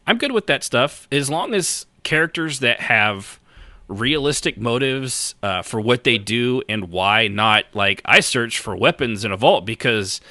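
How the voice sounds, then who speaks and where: A man co-hosts a casual podcast with a lively, swooping delivery. His voice sits fairly low yet cuts through brightly, recorded close and dry. He talks in an opinionated, conversational way and puts on little mock quotes. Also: a little slow, dry recording. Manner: animated, quoting others in mock voices. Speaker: podcast co-host.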